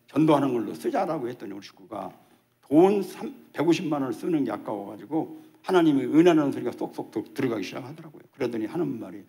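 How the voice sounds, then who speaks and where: A man's voice: mid-range voice, lively intonation, quick pace, warm tone. An older man, a church elder, preaching a testimony sermon at a church service and acting out dialogue as he tells his story.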